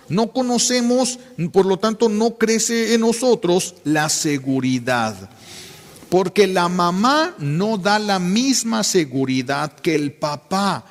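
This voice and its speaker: A man's voice: high voice, in a large hall. A man, a priest giving an emphatic sermon and repeating key phrases for weight.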